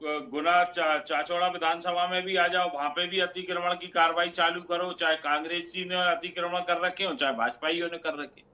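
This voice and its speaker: A man argues in a political debate as a party spokesperson. His voice is high and extremely bright and forceful, pressing each point with emphatic repetition. The sound is dull and band-limited, like a lo-fi feed. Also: fairly even intonation, moderate pace, hardly any pauses. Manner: argumentative, emphatic, repeats phrases for stress.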